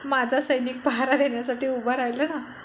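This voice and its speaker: Brief: woman narrator playing a cheeky joking husband, her own fairly high voice, faint hiss. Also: little pitch movement, fairly quick, natural voice. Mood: teasing. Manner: teasing, joking. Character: joking, good-natured husband.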